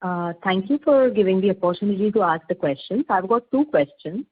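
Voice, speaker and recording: A woman's voice: mid-range voice, animated, brisk, breathy edge. A woman asking questions as an investor on a formal conference call, wordy and hesitant in her phrasing. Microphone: phone. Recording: muffled narrowband phone line.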